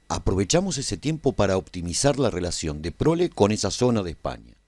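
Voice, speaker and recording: An actor playing a tender, reflective survivor who narrates a post-apocalyptic radio serial in a measured, solemn way. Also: male voice, on the low side, darkish tone, no echo. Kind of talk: scripted first-person narration for a radio serial.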